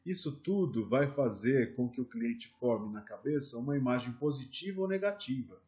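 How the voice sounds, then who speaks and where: Brazilian guy giving a sales lesson, mid-pitched, explains stuff with examples, kinda muffled lo-fi sound. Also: lively intonation, moderate pace, warm tone. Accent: Brazilian Portuguese. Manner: instructive, addresses viewers directly with examples. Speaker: sales trainer.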